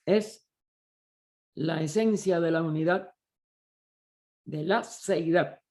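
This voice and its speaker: A man leading a study group, explaining a text slowly and deliberately, often pausing and restarting as he searches for words. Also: fairly high pitch, darkish tone. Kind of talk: slow explanatory study lecture.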